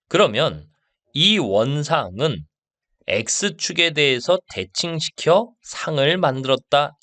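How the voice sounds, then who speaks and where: Man teaching math, lively pitch. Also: no echo. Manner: slow and stressed on key terms, asks checking questions. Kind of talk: lecture.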